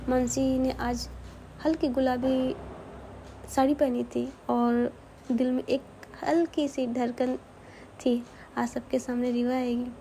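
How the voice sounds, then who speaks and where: Woman storyteller, high voice, kinda flat, chatty asides, bit of hiss. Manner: chatty asides to listeners, self-corrections. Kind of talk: casual spoken storytelling.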